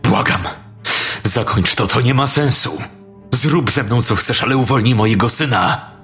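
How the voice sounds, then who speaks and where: A man's voice: medium pitch, moderate pace, a bit bright, close to an everyday voice. An actor playing a desperate father begging for his son's life, frantic and pleading, in a dramatized audio story. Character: desperate pleading father, middle-aged man. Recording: faint music behind.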